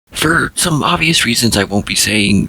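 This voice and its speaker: The man's pitch rises and falls in very wide swings. His voice is quiet. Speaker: YouTuber. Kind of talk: casual vlog.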